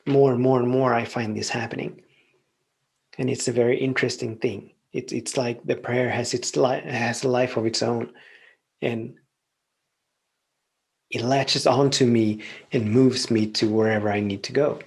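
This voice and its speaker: A man whose first language is Swedish, hosting a podcast and calmly giving a reflective spiritual teaching monologue, often repeating phrases in long lists. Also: mid-range voice, moderate pace, creaky, pauses often, husky. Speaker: podcast host.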